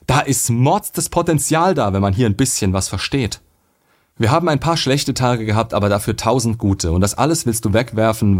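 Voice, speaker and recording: A man reading out a viewer's letter and answering it with blunt, lecturing dating advice. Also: mid-range voice.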